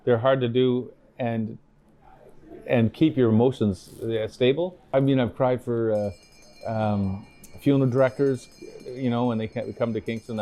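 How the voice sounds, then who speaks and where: A man's voice: mid-range voice, mellow. An older man with a Canadian accent telling anecdotes in a casual interview, rambling and repeating phrases as he recalls. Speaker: town crier being interviewed.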